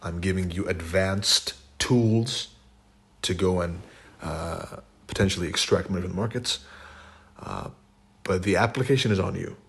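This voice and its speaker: Hoarse low-voiced man lecturing bluntly. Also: a little slow, a bit bright. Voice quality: raspy. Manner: blunt, repeats "right?" and "it's your fault". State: hoarse, sore throat. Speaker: trading instructor. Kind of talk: lecture over slides.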